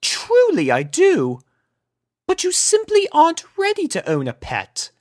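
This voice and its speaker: A woman's voice: extremely high pitch, huge pitch swings, measured pace, darkish tone, dry recording, clean studio sound, pitched above the performer's own voice, exaggerated voice. A woman voicing a refined, fashion-loving unicorn mare and elder sister in a cartoon story, speaking in a prim, composed, formal way. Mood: sympathetic.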